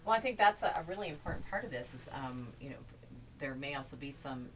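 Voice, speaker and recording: A woman's voice: rumbling low, lively intonation, fast, a bit bright, slight background noise. A woman hosting an interview, affirming her guest and steering the chat with questions. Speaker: interview host. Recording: distant mic with faint ambience.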